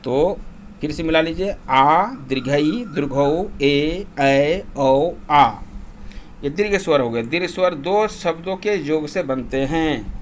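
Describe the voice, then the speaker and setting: Male grammar teacher, slightly high voice, slow drilling delivery, faint hiss behind. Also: expressive. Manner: slow deliberate chanting of vowel lists for recitation. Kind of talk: classroom lesson.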